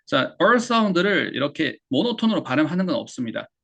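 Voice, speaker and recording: A man's voice: fairly high pitch, big pitch swings, a little fast, vocal fry, a bit bright, highs cut off. A man teaching English pronunciation in Korean, explaining step by step, answering his own questions, and repeating English words aloud to demonstrate. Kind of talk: online English pronunciation lesson.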